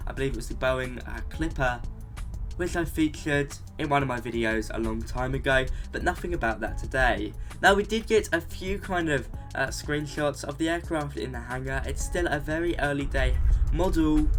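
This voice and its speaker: A man reads a flight sim news roundup in a chatty, enthusiastic way, sprinkling in personal asides. His voice sounds slightly nasal and congested, as if a cold is coming on. Faint music plays quietly behind him. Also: a little high. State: blocked up with a cold.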